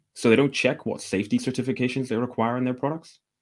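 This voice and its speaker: The recording is very clean, with a silent background. A man at medium pitch talks at a very fast pace in a Scottish accent. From Northeast Scotland (Aberdeen). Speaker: e-commerce entrepreneur and author. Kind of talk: casual interview.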